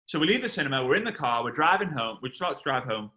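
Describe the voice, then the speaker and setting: Animated, bright-voiced English man telling stories. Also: mid-range voice, fast. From England. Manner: animated storyteller, acts out voices and shouts. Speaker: network marketing trainer. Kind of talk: storytelling training talk on a video call. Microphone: video call.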